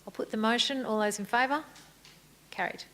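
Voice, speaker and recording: A woman serving as mayor and chairing a council meeting, moving briskly through formal procedure with light good humour. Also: on the high side, sharp tone, slight background noise. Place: council chamber.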